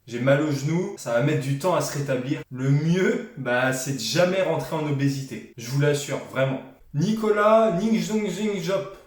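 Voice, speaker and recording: A man's voice: medium pitch, moderate pace, few pauses. Young man chatting in an echoey room. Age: young adult. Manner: informal, slangy. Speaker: fitness vlogger. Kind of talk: casual chatty Q&A vlog.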